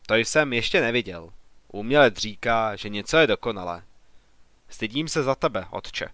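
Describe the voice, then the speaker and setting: A man's voice: lowish voice, lively intonation, fairly bright tone, no room sound. A man voicing an ambitious young man who argues earnestly and with growing irritation in an audiobook. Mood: earnest, heated. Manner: earnest, argumentative.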